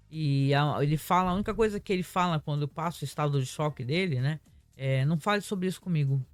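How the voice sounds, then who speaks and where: Man, high voice, casual series reviewer, indignant and animated, dry close sound. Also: no echo. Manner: animated, indignant, retells scenes with quoted dialogue. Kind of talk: casual spoken episode review.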